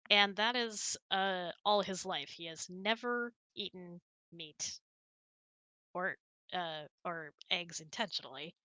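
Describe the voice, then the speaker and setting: A woman's voice: fairly low pitch, slow, sharp tone, dry recording. A woman hosting a casual online hangout, chatting and answering audience questions in a giggly manner. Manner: giggly, laughs often while talking.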